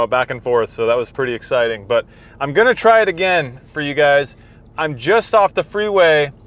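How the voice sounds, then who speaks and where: A man's voice: medium pitch, a bit bright, clear, resonant tone. A man vlogging in a casual, chatty way, explaining things informally as he does a hands-on demo. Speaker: vlog host.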